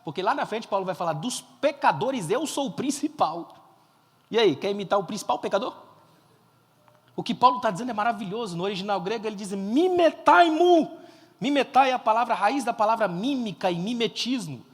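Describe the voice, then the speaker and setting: A man preaching a fervent sermon as a pastor, swelling to loud emphasis and quizzing the crowd. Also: high-pitched, quick pace, slightly rough. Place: church conference hall. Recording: long hall reverb.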